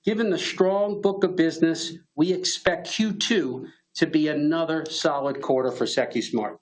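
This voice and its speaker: A man giving a scripted earnings call presentation as a company executive, in a formal, measured business manner. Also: on the high side, rough recording.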